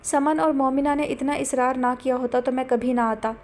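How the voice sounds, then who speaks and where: A woman's voice: sits high, steady tone, a little mellow. A woman voicing a proud young man who speaks with weary irritation and dismissal in an audiobook drama. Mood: irritated.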